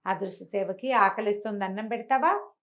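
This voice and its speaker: Kind young male hero for a storybook tale, performed by a woman: gentle, courteous, slightly dull audio. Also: medium pitch, normal speed, lightly acted. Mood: kindly. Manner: soft-spoken, considerate.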